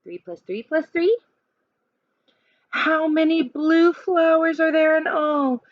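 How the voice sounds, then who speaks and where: A woman reading a children's picture book aloud like a teacher, expressive and questioning as she coaches young listeners through counting. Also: high-pitched, slow pace, no room sound, lo-fi sound.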